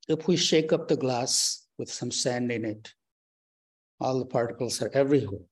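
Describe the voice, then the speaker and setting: A man leading a guided breathing meditation, giving slow, calm, soft instructions with long pauses. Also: mid-range voice, breathy edge. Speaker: meditation teacher. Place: temple or meditation hall.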